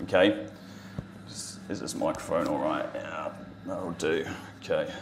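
The speech moves at a fairly slow pace, with audible room echo and noticeable background noise. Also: man. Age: 20s. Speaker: business coach and online entrepreneur. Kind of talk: motivational tutorial. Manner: animated.

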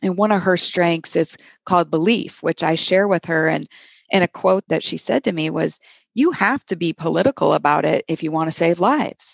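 Moderate pace, ordinary pitch variation and vocal fry. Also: woman, fairly low pitch for a woman. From small town. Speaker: strengths coach and breast cancer survivor. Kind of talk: interview conversation.

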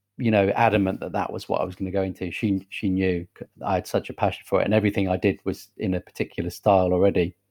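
In a very clean recording with a silent background and a dry, close sound with no echo, a man speaks fairly quickly at a fairly low pitch in a monotone, flat intonation. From Newcastle, north England. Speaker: creative director and photographer. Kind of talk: casual podcast interview.

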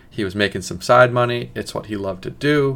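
Here a man with an unremarkable speaking voice talks at medium pitch and a moderate pace, with ordinary pitch variation. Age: 30s. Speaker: solo podcaster on personal finance and self-improvement. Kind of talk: casual solo monologue. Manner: conversational, with frequent filler words.

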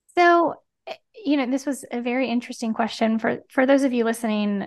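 With an ordinary speaking voice, a woman talks at a fairly high pitch with ordinary pitch variation against a quiet background. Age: 40s. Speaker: podcast host and pet health coach. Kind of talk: casual interview chat.

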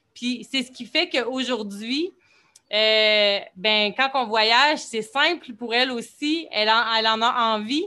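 A woman speaks with a Quebec accent. Her voice is fairly high, and her pace is very slow. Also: ordinary pitch variation. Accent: Québécois French. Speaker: personal development coach. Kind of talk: casual chat. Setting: outdoors on a terrace.

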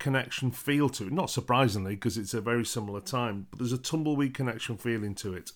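An English accent with ordinary pitch variation on a very clean recording against a silent background. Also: man. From England. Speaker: podcast host and internet radio presenter. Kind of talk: solo music review podcast. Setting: home recording. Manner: hesitant, many fillers.

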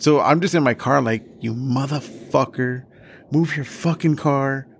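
With an American accent, a man talks at a moderate pace in an unremarkable speaking voice with ordinary pitch variation. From Los Angeles. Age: middle-aged. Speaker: tattoo artist and podcast co-host. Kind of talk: casual chat.

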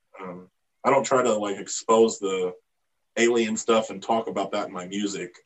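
A man with an American accent speaks in an ordinary speaking voice at a moderate pace, his pitch fairly low and his intonation fairly even. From southern Indiana. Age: 30s. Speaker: rapper. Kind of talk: interview. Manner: casual.

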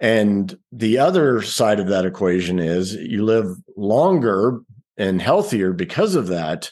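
A man with an unremarkable speaking voice and a fairly low pitch talks at a fairly slow pace in an American accent, with lively intonation. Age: 50s. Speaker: digital entrepreneur and writer. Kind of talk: interview.

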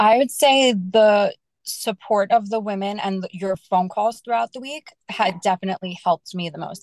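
An unremarkable speaking voice from a woman with an American accent, fairly quick, with ordinary pitch variation and a dry, close sound with no echo. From New York. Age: 30s. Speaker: coaching client. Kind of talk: testimony.

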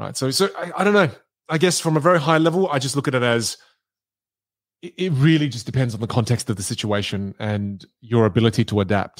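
A man with a medium-pitched voice talks at a fairly quick pace, his pitch swinging very widely. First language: not English (English is his third language). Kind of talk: casual chat.

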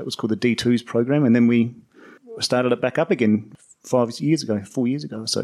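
With an Australian accent, a man talks at a very fast pace in a medium pitch with ordinary pitch variation. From Australia, Adelaide. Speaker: forensic toxicologist co-hosting conference podcast. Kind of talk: casual chat.

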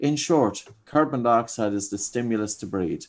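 A man with an unremarkable speaking voice talks at a fairly quick pace in a medium pitch with ordinary pitch variation. The recording is very clean, with a silent background. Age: 40s. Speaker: breathing coach and author. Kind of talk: interview. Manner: calm, instructive.

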